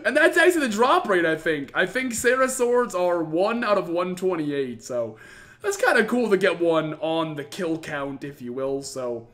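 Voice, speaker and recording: A man's voice: high-pitched, big pitch swings, normal speed, a bit bright. A man giving casual, chatty commentary over his own gameplay, upbeat and prone to casual swearing. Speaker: gaming YouTuber.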